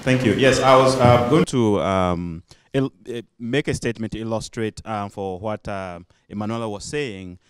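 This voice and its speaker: Ghanaian man, smooth measured voice. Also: fairly low pitch, no echo, studio quality. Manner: measured, illustrative storytelling. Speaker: audience member. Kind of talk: explanatory comment in a panel discussion. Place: conference room.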